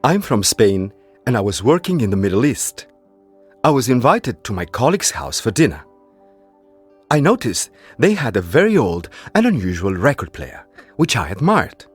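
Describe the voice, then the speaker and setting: A man reading a scripted anecdote for an English listening exercise, telling it in an animated way. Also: mid-range voice, normal speed, slightly rough, faint music behind. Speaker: textbook audio speaker.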